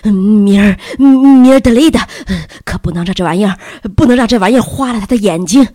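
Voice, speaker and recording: A woman voicing a nervous, fussy middle-aged headmaster who mutters in a hurried, anxious way. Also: lowish voice, lively intonation, darkish tone, husky, dry recording, studio quality.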